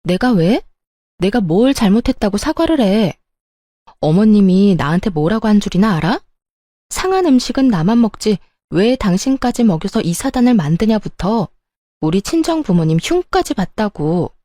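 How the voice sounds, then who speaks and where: A woman's voice: mid-range voice, very animated, moderate pace, mellow, no room sound, studio quality, natural voice. A woman voicing an indignant daughter-in-law who stands her ground, firm, sarcastic and confrontational, in a narrated story. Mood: furious, defiant.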